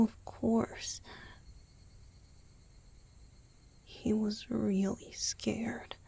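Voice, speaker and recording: A woman voicing a gentle, guilt-ridden young male vampire boyfriend in an ASMR roleplay, breathy and whispery, with a hesitant, tender, confessional manner. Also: on the high side, exaggerated voice. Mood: remorseful, sad.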